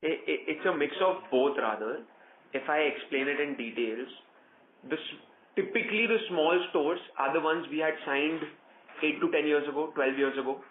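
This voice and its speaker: A man with an Indian accent, a company executive, giving measured, explanatory answers on an earnings call over a conference phone line. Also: a little high. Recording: echoey tinny conference phone line with noise.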